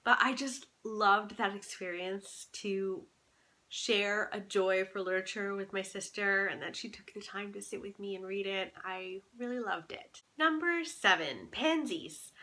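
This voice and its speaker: A young woman speaks in a very bright, forward voice at a middle pitch. She chats casually like an online book reviewer, stressing her opinions in an animated, talkative way. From Canada. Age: young adult. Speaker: book vlogger. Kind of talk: casual chat to camera, book recommendations.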